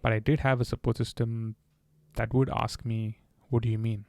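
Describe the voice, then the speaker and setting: A man talks earnestly through his advice, now and then catching on a word and restarting. His voice has a gravelly, fry-edged texture and stays level in pitch, with little rise or fall. The sound is close and dry, with no room around it. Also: flat delivery, moderate pace, darkish tone, dry recording. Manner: earnest, advice-giving, occasional stammers and restarts. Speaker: podcast host. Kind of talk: candid solo podcast talk.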